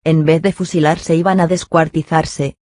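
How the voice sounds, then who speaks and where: Steady male audiobook narrator. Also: fairly high pitch, no echo, studio quality. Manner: steady, measured storytelling. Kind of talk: scripted literary narration.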